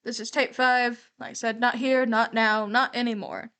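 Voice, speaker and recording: High-voiced woman livestreamer thinking aloud. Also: steady tone, normal speed, pushed and bright, smooth. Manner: musing, thinking aloud, candid. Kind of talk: casual reaction commentary on a horror series.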